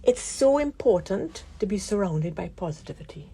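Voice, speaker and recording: A woman physician giving a radio interview, with a croaky voice from a damaged vocal cord nerve, explaining things calmly with many pauses. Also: mid-range voice. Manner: calm, explanatory, pauses often.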